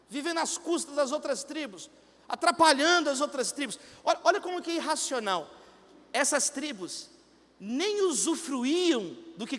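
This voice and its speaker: A pastor delivers a sermon in a notably high voice. He swells into emphatic peaks and slips into the voices of people he quotes. A long hall reverb trails his words through the church. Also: a bit bright. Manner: preaching with emphatic rises, quoting people in dialogue.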